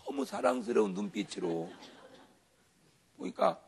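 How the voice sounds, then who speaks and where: A male pastor preaching a revival sermon at a live meeting. He is emphatic and humorous, swinging between loud exclamations and quiet asides. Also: on the low side, wildly swooping pitch, a little slow, vocal fry.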